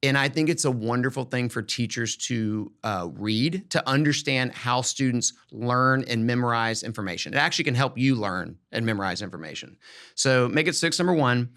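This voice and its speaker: A middle-aged American man, a former school principal, hosts a conversational educational podcast, explaining things in an upbeat, emphatic way. His voice is medium-pitched and fairly bright, at a moderate pace.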